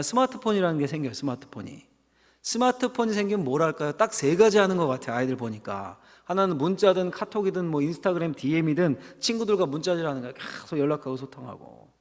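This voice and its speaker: A middle-aged male pastor giving a conversational sermon, asking the congregation questions. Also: on the high side. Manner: conversational preaching with rhetorical questions and acted quotes. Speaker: senior pastor. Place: church sanctuary. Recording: long hall reverb.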